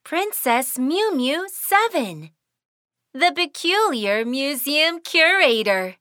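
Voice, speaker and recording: A woman's voice: high voice, very animated, takes it slowly, sharp tone, dry recording, studio quality. Sing-song woman narrating a children's cartoon. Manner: sing-song, cheerful storytelling. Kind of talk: scripted children's story narration.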